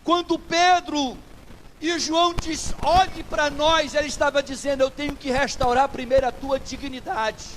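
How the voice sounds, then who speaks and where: A male Brazilian pastor delivers a sermon in a notably high voice and acts out the dialogue of the people in his stories. A faint hum of noise sits behind him. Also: fairly even intonation, normal speed, a bit bright. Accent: Brazilian Portuguese. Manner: preaching with rising intensity, acting out quoted dialogue.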